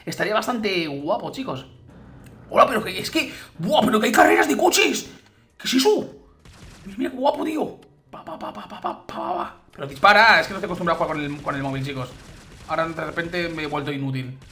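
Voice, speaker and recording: A man from Spain with a Spain Spanish accent, giving excited reaction commentary on a game update and calling out to his viewers. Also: a little high, quick pace. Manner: excitable, exclamatory, keeps addressing viewers as guys. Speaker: gaming YouTuber.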